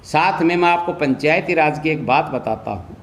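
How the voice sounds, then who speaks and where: A man's voice: a little high, moderate pace, slight background noise. A man speaking as a local politician making a statement to reporters, insistent, repetitive and accusatory. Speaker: local politician and anti-corruption campaigner.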